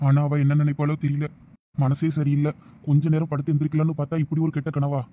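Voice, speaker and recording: A man's voice: on the high side, completely flat delivery, quick pace, lightly acted. A man voicing a devoted, anxious young husband in a cartoon, muttering grumbling asides in a Thoothukudi Tamil accent. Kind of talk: cartoon voice acting. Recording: dull lo-fi audio.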